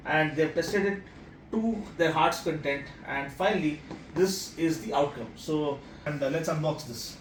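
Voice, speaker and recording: A man's voice: on the high side, unhurried. A man in his thirties with an Indian accent, hosting a casual unboxing and review chat. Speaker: vlog host and product reviewer. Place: hotel room, indoors. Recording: echoey room with noticeable background noise.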